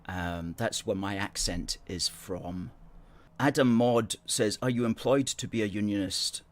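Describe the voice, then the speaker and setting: Hosting a livestream, a middle-aged man with a fairly low voice and an educated Scottish accent replies to viewers' comments, chatty and sardonic. He was born in Hong Kong and speaks a little slowly.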